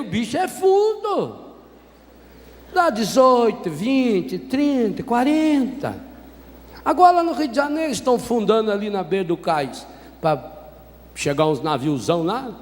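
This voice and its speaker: A Brazilian Catholic priest preaching a sermon, telling a story with humor and asking the congregation questions. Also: male voice, extremely high pitch, very animated, measured pace. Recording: reverberant hall with faint noise.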